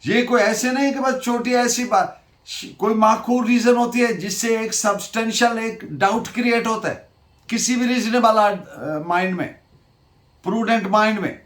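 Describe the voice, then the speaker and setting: A woman's voice: a little high, measured pace. A woman with a Pakistani accent giving a didactic law lecture, asking and answering her own questions and switching into English terms. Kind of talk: law lecture, dictating case citations. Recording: echoey room sound.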